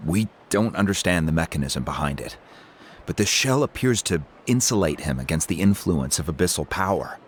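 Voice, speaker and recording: An actor playing a reassuring, thoughtful tribal chief in a video game, explaining things in a composed, formal way. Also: male voice, low voice, animated, moderate pace, slight background noise. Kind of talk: video game character dialogue.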